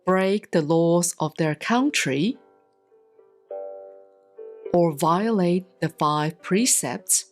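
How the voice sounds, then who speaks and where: A woman reads a Buddhist sutra aloud in a solemn, scripted style, with measured, deliberate enunciation and long pauses. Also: on the low side, expressive. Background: instrumental music.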